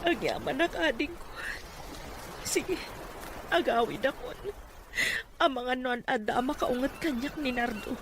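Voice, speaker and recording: An actress with an Ilocano accent playing a long-suffering battered wife and gentle elder sister in an audio drama. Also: female voice, sits high, animated, unhurried, pauses often. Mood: sad, resigned. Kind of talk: Ilocano radio-style drama acting. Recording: clearly noisy ambient background.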